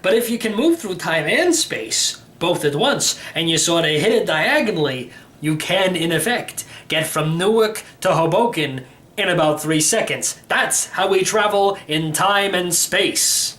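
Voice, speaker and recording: A man's voice: sits high, lively intonation, measured pace, a bit bright. Here is a man acting an eccentric elderly uncle from a children's storybook. He is brusque and emphatic, quizzing his listener like a self-appointed teacher and pressing each point home. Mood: emphatic, pleased. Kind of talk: storybook character reading.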